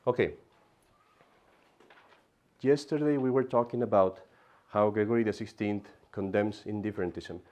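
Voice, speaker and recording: A man teaching an adult catechism class in an animated way, often repeating himself and turning aside to talk to the class. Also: fairly low pitch, normal speed, long pauses.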